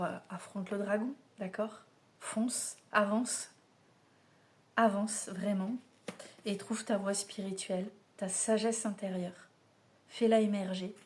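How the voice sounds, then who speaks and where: A woman's voice: mid-range voice, a little mellow, a little hiss or hum. A woman giving a casual spiritual oracle card reading to camera, chatty and familiar, speaking straight to the listener. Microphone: camera mic, filmed mirrored.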